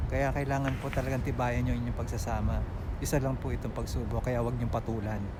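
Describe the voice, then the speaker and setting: Over noticeable background noise and audible room echo, a man speaks at a very fast pace. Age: 50s. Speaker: vlogger. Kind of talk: casual vlog monologue.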